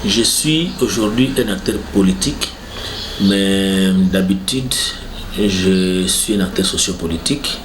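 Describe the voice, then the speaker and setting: Man, congolese french accent, very deep voice, formal measured delivery, echoey room, faint background noise. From South Kivu, Congo. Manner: formal, measured self-presentation. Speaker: politician, guest. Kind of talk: interview answers.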